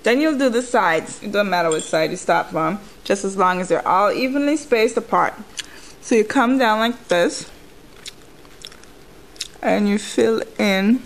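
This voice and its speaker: A woman's voice: mid-range voice, poor audio. A woman chewing gum while she talks, giving an informal, step-by-step nail tutorial in a conversational way. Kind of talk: casual hands-on tutorial talk.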